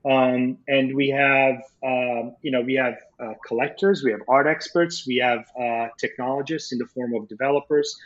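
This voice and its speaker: Middle-aged guy from italy being interviewed, halting, repeats words, bit muffled lo-fi audio. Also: medium pitch, steady tone. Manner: halting, repeats words, often tags "right?". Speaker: interview guest, art collector and entrepreneur. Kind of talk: conversational interview answers.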